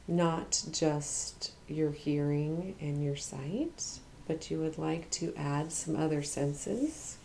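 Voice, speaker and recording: A woman acting as a Reiki practitioner guides an ASMR meditation in a low, soft, hushed voice, soothing the listener with long pauses and the occasional whisper. The audio quality is poor, with slight background noise.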